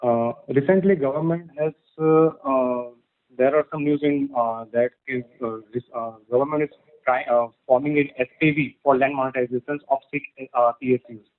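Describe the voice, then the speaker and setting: A man with an Indian accent asking questions as a caller, halting and repeating himself. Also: mid-range voice, fairly even intonation. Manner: halting, repetitive. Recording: choppy, crackly phone line.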